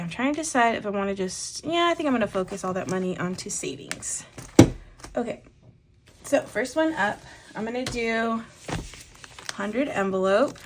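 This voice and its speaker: Young woman thinking out loud over her cash envelopes, kinda congested, clicks and tapping in the background. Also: mid-range voice, background noise. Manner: chatty, thinks aloud with many fillers. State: congested with a lingering cough. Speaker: budgeting vlogger. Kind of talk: casual voice-over while cash stuffing.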